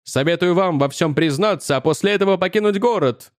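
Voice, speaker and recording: A man voicing an agitated older male physics professor with a shrill voice, accusing and insistent. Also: a little fast, no room sound, studio quality, lightly acted. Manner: accusing, insistent, increasingly frantic.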